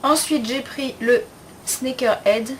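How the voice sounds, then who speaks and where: A woman's voice: sits high, takes it slowly, slight background noise. A young woman talking casually in a beauty haul video, chatty and frank, with slang and many fillers. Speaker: beauty vlogger.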